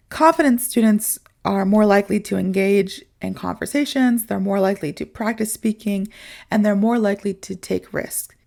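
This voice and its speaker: An ordinary speaking voice, with an American accent, ordinary pitch variation and a moderate pace, on a very clean recording with a silent background. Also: woman, medium pitch for a woman. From United States. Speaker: English teacher and podcast host. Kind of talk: casual podcast monologue. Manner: casual, filler-heavy.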